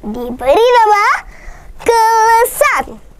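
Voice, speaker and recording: A young schoolgirl telling a folk tale, slow and sing-song, speaking to her classmates. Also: very high-pitched, big pitch swings, slight background noise. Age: child. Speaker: student storyteller. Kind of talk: storytelling with sung rhymes.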